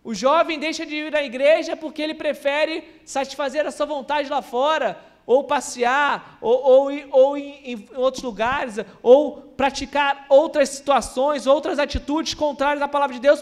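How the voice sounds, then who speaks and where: A man's voice: very high voice, fairly even intonation, a little slow. A Brazilian man preaching a sermon at a church service, earnestly acting out quoted lines and often restarting his words. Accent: Brazilian Portuguese.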